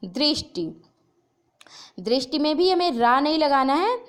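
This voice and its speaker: Slow, lively-voiced woman teacher. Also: high-pitched. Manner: slow and deliberate, repeating each word and stressing letter sounds. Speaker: Hindi grammar teacher. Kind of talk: explaining a lesson over slides.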